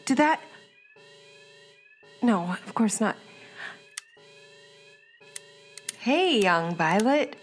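A young scientist stranded alone in space, her voice a touch high. She mutters sardonic asides to herself, sometimes dropping to a whisper, in a sci-fi radio play. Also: very animated, slow pace, faint music behind. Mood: sarcastic. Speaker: stranded ship biologist. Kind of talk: audio drama acting.

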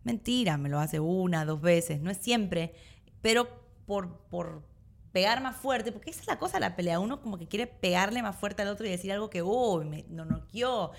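A woman's voice: medium pitch, expressive, brisk, creaky. A woman co-hosting a couples chat, talking in a chatty, giggly way and telling stories from her own relationship. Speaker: co-host of a couples show. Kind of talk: casual chat.

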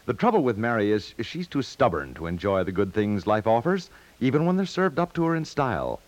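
A man's voice: on the low side, big pitch swings, fairly quick, dry recording. A man with an American accent reading scripted announcements in the style of 1950s network radio. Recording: dry 1950s radio studio, faint music.

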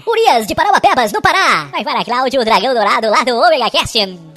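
A male podcast host whose voice is sped up like fast-forwarded tape into a squeaky male chipmunk, rattling off listener shout-outs with jokey asides. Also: big pitch swings, full character voice. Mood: cheeky. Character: squeaky little male chipmunk doing impressions.

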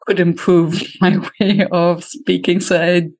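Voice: medium pitch, little pitch movement, unhurried, low-quality recording. A podcast host whose first language is German, speaking English with a German accent in a thoughtful, questioning way. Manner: thoughtful, asks questions, speeds up when explaining. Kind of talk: casual podcast conversation.

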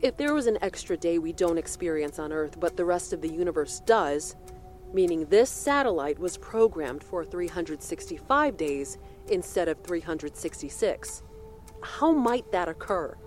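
A woman's voice: fairly low pitch, animated, a little mellow, faint music behind, natural voice. A woman playing a cool, probing senator. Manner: measured, probing questions. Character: cool, secretive female senator interrogator. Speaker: senator questioning a witness.

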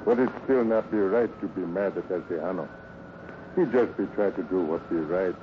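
An actor playing a loyal, gentle ranch hand who speaks earnest broken English with a foreign accent in a 1950s radio western. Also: male voice, sits low, normal speed, lightly acted. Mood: gentle, coaxing. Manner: broken pidgin grammar, earnest and soothing. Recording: muffled, noisy old radio recording.

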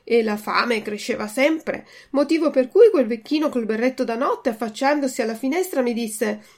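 A woman's voice: on the high side, moderate pace, a little mellow. A woman voicing a hungry, fussy wooden puppet boy in a storybook reading, whiny and petulant. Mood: complaining.

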